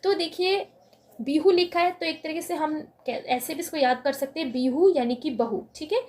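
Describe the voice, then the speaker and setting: A woman's voice: high-pitched, normal speed, a little mellow. A woman teaching a lesson on memory tricks, explaining step by step and answering her own questions.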